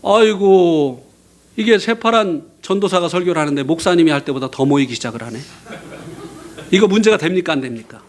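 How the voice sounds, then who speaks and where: A male guest preacher tells his testimony from the pulpit. His voice sits high and swings widely as he acts out other people's words. He laughs often as he goes. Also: fast. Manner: lively storytelling, acting out quotes and laughing. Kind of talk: sermon with personal testimony.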